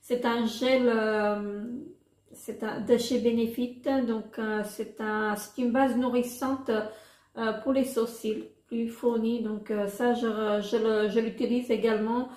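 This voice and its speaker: A woman vlogger casually showing her makeup products, halting often with fillers and restarts. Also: on the high side, flat delivery, darkish tone, echoey room. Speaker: beauty vlogger.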